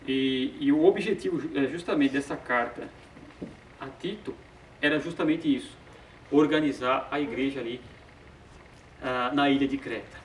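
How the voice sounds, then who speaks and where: A man's voice: mid-range voice, moderate pace, pauses often, a little hiss or hum. Man teaching Bible study, roomy sound. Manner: hesitant, repeats filler sounds, chuckles often. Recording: roomy sound from a distant mic.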